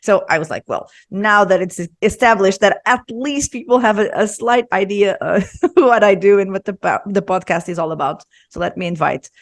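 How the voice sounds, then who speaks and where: A woman hosting a casual podcast interview, bubbly and quick to laugh. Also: medium pitch. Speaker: podcast host.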